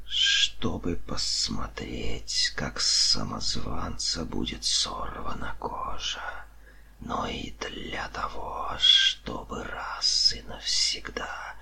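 A man voicing a mocking, arrogant serpent-man leader in an audiobook, in a soft, hissing whisper with a haughty, drawn-out delivery. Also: extremely low pitch, pitched below the performer's own voice, exaggerated voice. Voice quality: breathy whispering hiss, soft. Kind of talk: audiobook character voice.

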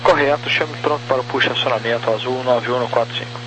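A man with a Brazilian accent working as an air traffic controller, giving procedural, clipped clearances with digits spelled out over a crackly radio. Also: medium pitch, fairly even intonation, fast. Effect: crackly aviation radio. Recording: noisy crackly radio transmission with hum.

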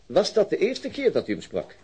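An actor playing a dogged, politely insistent chief inspector in a radio drama, hesitant and probing. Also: male voice, sits high, huge pitch swings, moderate pace, dark tone, slight background noise. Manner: hesitant, probing, trailing questions.

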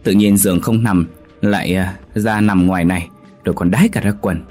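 A man's voice: steady tone, moderate pace, a little mellow, faint music behind. A man voicing a frightened, nagging old village wife who scolds her husband, in a spoken ghost story. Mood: scolding. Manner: scolding, shrill calling out.

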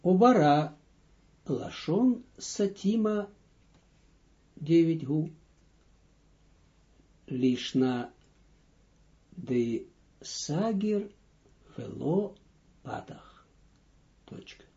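Slow, deliberate man teaching, lo-fi audio. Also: fairly high pitch, animated, warm tone. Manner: slow, deliberate, dictating with pauses; reads phrases aloud, then translates and repeats them. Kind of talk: line-by-line text lesson. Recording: dull lo-fi audio recording.

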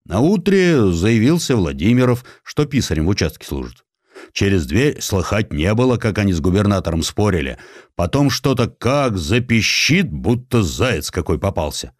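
A man's voice: on the low side, very animated, normal speed, no echo, studio quality. A man voicing a simple, gossipy doorman who tells his tale in a folksy, colloquial way for a radio play. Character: folksy male doorman, gossipy simple servant telling tales.

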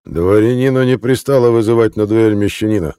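A man's voice: lowish voice, brisk, warm tone, smooth, pitched above the performer's own voice, close to an everyday voice. A man voicing an enraged, commanding town governor who roars orders. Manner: roaring, commanding. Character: furious older male town governor, bellowing.

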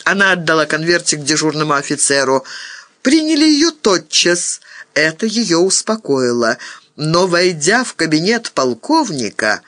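A man reading a novel aloud as an audiobook, in an expressive, dramatic way. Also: on the high side, a little slow, no echo, clean studio sound. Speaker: audiobook narrator.

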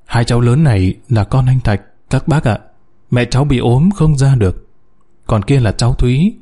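A man's voice: medium pitch, expressive, normal speed, mellow, lightly acted. A man voicing a humble, tearful mother in a story, speaking deferentially. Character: tearful, humble, guilt-ridden mother introducing her children.

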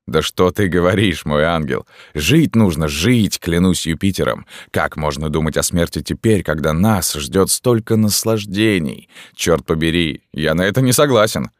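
A man voicing a boastful, amorous young army captain who talks in a smooth, self-satisfied, drawn-out way in a storybook reading. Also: low voice, no echo, clean studio sound, close to an everyday voice. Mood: ardent.

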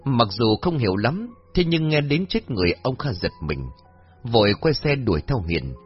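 A man narrating a horror story, reading expressively. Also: moderate pace. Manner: expressive reading with a wide pitch swing. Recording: slightly dull, dry recording with faint music.

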